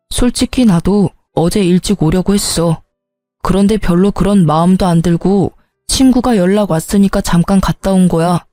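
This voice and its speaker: A woman's voice: medium pitch, mellow, no room sound, natural voice. A woman narrating a story, voicing a married man who grumbles and makes excuses. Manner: whiny, defensive, grumbling. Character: irritable hungover married man.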